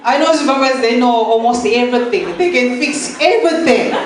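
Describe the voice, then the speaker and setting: Rambling stand-up comic from Malawi. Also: male voice, extremely high pitch, fairly bright tone. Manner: rambling, halting delivery with frequent laughs. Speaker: stand-up comedian. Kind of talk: stand-up comedy set. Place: live comedy venue with audience. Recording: echoey room, far from mic, crowd noise.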